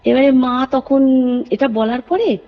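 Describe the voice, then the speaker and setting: A woman's voice: high-pitched, takes it slowly. A woman, calling in to tell a true ghost story in a rambling, earnest way and often addressing the host. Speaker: caller sharing a personal story. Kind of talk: telling a true ghost story over the phone. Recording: dull lo-fi phone call with faint music.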